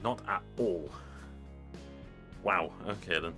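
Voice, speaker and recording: Low-voiced man chatting over guitar music. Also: slow pace. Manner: chatty, rambling, with hedges and fillers. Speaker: host reacting to a video. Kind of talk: casual reaction commentary.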